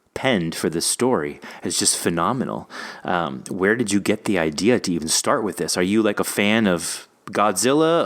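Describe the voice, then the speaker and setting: A middle-aged American man hosting a podcast, chatting casually as he interviews a guest. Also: fairly low pitch. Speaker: podcast host.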